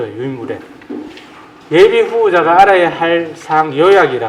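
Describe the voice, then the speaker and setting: A man's fairly high-pitched voice with a strong Gyeongsang accent and ordinary pitch variation, amid audible room echo and noticeable background noise. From Gyeongsang Province, South Korea. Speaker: election commission official. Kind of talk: briefing session. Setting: meeting room with audience. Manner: casual, filler-heavy.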